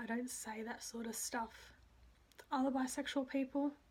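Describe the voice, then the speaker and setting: Her pitch high and her intonation monotone and flat, a woman speaks at a fairly slow pace. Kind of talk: casual talk to camera.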